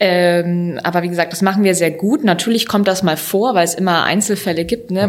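Amid noticeable background noise and audible room echo, a woman speaks at a medium pitch and a fairly quick pace with fairly even intonation. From Bavaria, Starnberger See. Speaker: hotel professional. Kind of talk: panel discussion. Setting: hotel industry conference.

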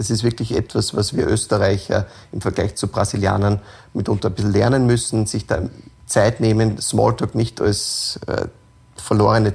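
A man in an unremarkable speaking voice talks at a moderate pace, fairly low in pitch and with fairly even intonation. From Austria. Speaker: trade delegate. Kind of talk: interview. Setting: video call.

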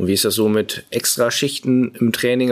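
The man's medium-pitched voice stays monotone, with flat intonation throughout. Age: 30s. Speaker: podcast host. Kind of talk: interview.

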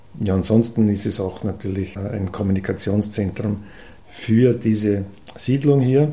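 A man talks fairly slowly, and noticeable noise can be heard behind him. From Austria, Lower Austria countryside and Vienna. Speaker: environmental activist and foundation co-founder. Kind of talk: interview. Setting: office.

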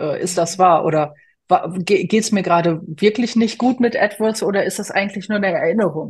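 Somewhat breathy, a woman speaks at a moderate pace with fairly even intonation. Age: 40s. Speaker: self-employed podcast guest. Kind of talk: casual interview. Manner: halting.

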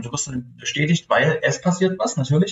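Somewhat breathy, a man's voice sits fairly high in pitch. He speaks at a fairly quick pace with lively intonation. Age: 30s. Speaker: horror film fan. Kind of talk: casual chat. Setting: same room as host. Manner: animated. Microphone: built-in laptop mic, poor quality.

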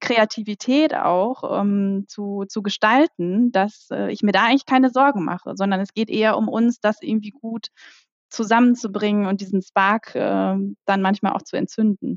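A woman's ordinary speaking voice, medium in pitch, with ordinary pitch variation and a moderate pace. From Ruhr area, Germany. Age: 40s. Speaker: HR executive. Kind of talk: interview.

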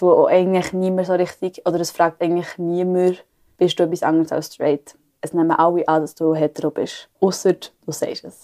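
With a Swiss accent, a woman talks at a moderate pace in a fairly low, dark and mellow voice, her intonation monotone and flat. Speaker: podcast host. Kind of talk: interview.

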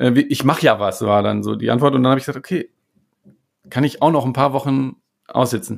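A man's very fast delivery broken by long, frequent pauses, with vocal fry and fairly even intonation. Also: medium pitch for a man. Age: 40s. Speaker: organizational development consultant and trainer. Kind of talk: casual interview conversation.

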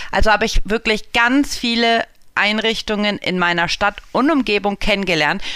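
A woman speaks at a moderate pace with a slight Franconian accent. Her tone is bright and sharp, with ordinary pitch variation. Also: medium pitch for a woman, very clean recording, silent background. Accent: Franconian, barely noticeable. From Bavaria, Lower Franconia. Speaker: early childhood education expert. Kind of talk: casual chat.

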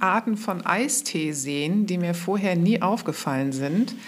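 Noticeable background noise fills the recording. Over it, a woman talks with lively intonation. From Germany, Mönchengladbach (Lower Rhine). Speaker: communication coach. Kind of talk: casual chat. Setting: remote call.

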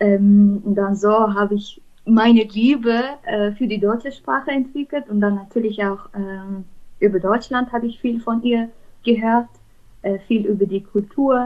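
A woman's fairly high voice with an Armenian accent, fairly slow pace and ordinary pitch variation. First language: Armenian (speaking German). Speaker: student and author. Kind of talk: interview. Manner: halting, many fillers.

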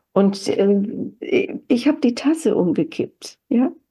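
A woman speaks with lively intonation in a dark, mellow tone that is somewhat breathy. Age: 70s. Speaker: pediatrician and psychotherapist. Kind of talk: interview.

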